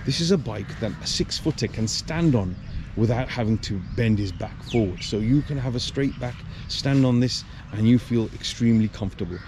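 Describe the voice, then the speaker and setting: A man's voice: medium pitch, moderate pace. A man giving a casual spoken motorcycle review, rambling with many ums and restarts as he stands beside the bike. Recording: loud outdoor noise behind the voice.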